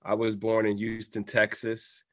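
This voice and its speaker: Slow, soft-spoken young male writer. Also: fairly low pitch, monotone. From Boston, USA. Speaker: guest writer. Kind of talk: radio interview.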